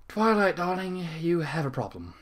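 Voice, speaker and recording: A man's voice: fairly high pitch, sing-song, normal speed, fairly bright tone, voice pushed up. A man voicing a prim female cartoon pony, dramatic and reproachful with an exasperated temper.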